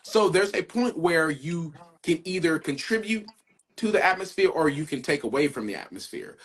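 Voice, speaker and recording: A man's voice: on the high side, animated, normal speed, slightly rough. A man hosting a podcast, talking emphatically and repeating himself for stress. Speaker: podcast host. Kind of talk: casual podcast chat.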